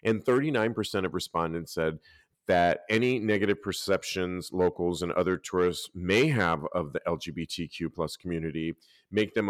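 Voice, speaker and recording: A man hosting a casual podcast, talking lively and reading out articles and listener posts. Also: low voice, no echo, clean studio sound. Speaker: podcast host.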